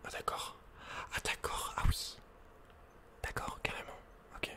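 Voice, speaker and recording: A man's voice: slow pace, sharp tone. A man giving casual, slangy ASMR commentary on a video game, muttering with the odd mild swear word. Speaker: ASMR gaming streamer.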